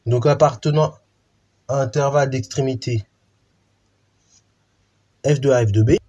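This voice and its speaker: A man's voice: medium pitch, fairly even intonation, moderate pace, warm tone. A man teaching a math lesson in an informal way, with many fillers and restarts while he explains a theorem.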